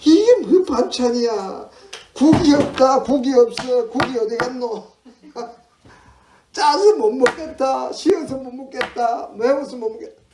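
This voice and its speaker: A man voicing a whining, nagging middle-aged woman who sighs and complains loudly. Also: big pitch swings, takes it slowly, long pauses, far from the mic. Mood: griping. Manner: shrill, exasperated sighing complaints. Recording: echoey hall with faint noise.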